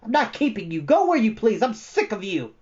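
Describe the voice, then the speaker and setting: Storybook boy hero, done by a reader: raised pitch, commanding, loud, impatient, slightly dull sound. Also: very animated, brisk, close to an everyday voice. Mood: furious. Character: proud, hot-tempered, commanding boy hero.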